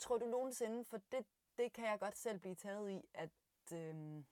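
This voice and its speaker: A woman talks at a very slow pace with ordinary pitch variation. The sound is dry and close, with no echo. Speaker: podcast host. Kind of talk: casual chat.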